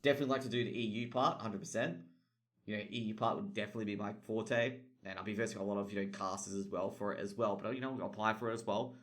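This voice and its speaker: A man's voice: lowish voice, fairly even intonation, fast. A young Australian man, an esports caster, chatting casually about tournament news, rambling with lots of fillers and swearing. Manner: rambling, swears a lot, heavy filler words. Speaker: esports caster and streamer host.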